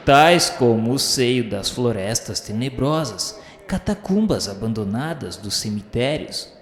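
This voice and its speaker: A man's voice: mid-range voice, slight background noise. A man narrating a radio drama in a solemn, dramatic way. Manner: solemn, dramatic, rising in emphasis. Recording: reverberant hall sound with faint music.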